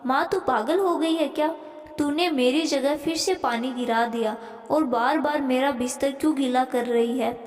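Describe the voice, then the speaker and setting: Woman as impatient grown son, high, scolding tone, echoey room with long tail. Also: moderate pace, lightly acted. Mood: angry. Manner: scolding, complaining.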